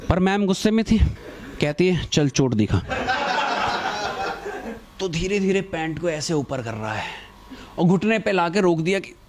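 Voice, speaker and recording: A man's voice: normal speed, very noisy. A young man doing stand-up comedy, telling a school story and acting out the people in it with shifting voices. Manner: animated, acts out quotes with shifting pitch. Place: comedy stage with audience.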